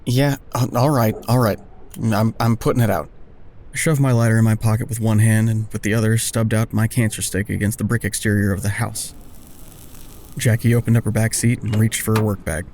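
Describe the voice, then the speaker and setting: An actor playing a wry, awkward man who narrates his own story in an audio drama with self-deprecating, deadpan, wordy humor. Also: fairly low pitch, brisk, slight background noise, natural voice. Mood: casual, awkward. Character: wry, awkward smoker man narrating a reunion with old friend. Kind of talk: first-person scripted narration and dialogue in audio drama.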